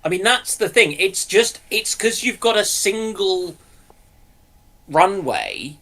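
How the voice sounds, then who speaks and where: Male co-panelist, fairly high voice with very animated pitch movement, casual conversational delivery. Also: takes it slowly. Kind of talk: casual discussion.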